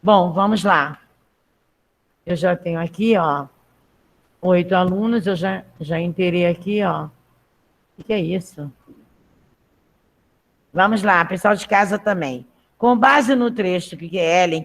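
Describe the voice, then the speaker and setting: A woman teaching a Portuguese class, reading a text aloud and patiently explaining spelling rules to her students. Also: lowish voice. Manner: patient, checks in with frequent "tá?". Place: classroom with students in the room and at home.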